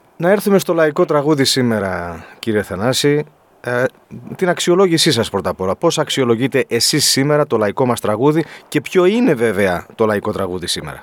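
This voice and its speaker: A man's voice with very wide pitch swings at a moderate pace, dry and close with no echo. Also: medium pitch for a man. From Athens, Greece. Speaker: radio host. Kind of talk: interview.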